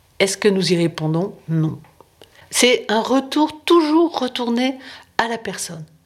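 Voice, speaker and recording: Very slow delivery comes with very wide pitch swings. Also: woman. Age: 70s. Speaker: retired occupational doctor and helpline volunteer. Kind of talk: personal testimony interview. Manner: halting, with hesitations.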